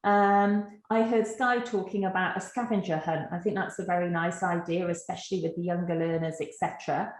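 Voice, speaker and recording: A woman's voice: fairly low pitch, fairly even intonation, a little fast, hardly any pauses, reverberant. Chatty woman with a slight West Country accent. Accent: slight West Country English. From England, Gloucestershire. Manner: warm, chatty, laughs often. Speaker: teacher trainer presenting a webinar. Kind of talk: online teacher-training talk. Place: online video session. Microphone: video call.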